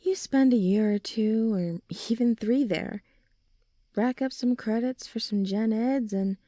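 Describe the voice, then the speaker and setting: A supportive teenage girl played by a woman speaks in a mellow, relaxed voice, recorded close and dry. She is gentle and reassuring, chatting informally like a caring best friend in an ASMR audio drama. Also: a little high, a little slow, dry recording, close to an everyday voice. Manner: gentle, reassuring, informal, often sighing or softly laughing.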